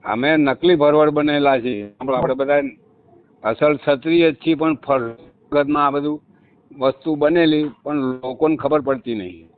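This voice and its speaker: A man's voice: on the high side, measured pace. A man, a caller on a phone call, talking insistently and repeating his points with emphasis. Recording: tinny phone call recording.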